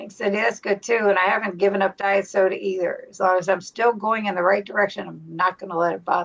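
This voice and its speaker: A woman with a medium-pitched voice and vocal fry talks very fast, with hardly any pauses, fairly even intonation, and big swings in loudness. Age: 60s. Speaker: YouTuber.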